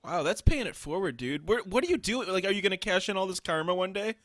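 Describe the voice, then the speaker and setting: A man's voice: high voice, animated, fast talker, fairly bright tone, dry recording, studio quality. A man co-hosting a casual comedy podcast, firing off crude wisecracks between laughs. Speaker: podcast co-host.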